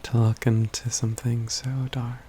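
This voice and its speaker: A man playing a wry, self-assured, caring mage companion in a soft, breathy, near-whispered ASMR fantasy roleplay, with measured, formal phrasing. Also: medium pitch, completely flat delivery, slight background noise, natural voice. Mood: wry, sombre.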